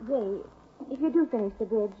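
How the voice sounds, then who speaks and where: Woman acting an earnest, high-voiced frontier sweetheart. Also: animated, normal speed, natural voice. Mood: tender, encouraging. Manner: earnest, emotive. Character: devoted, gentle young frontier sweetheart. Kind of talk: 1930s radio acting. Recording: tinny, noisy 1930s radio recording.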